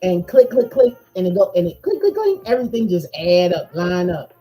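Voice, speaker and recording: A woman hosting a podcast, chatting casually with a guest in Black speech, loud, laughing, animated banter. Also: on the low side, brisk, soft background music, rough recording. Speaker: podcast host. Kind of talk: casual chat. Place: home, eating on a livestream.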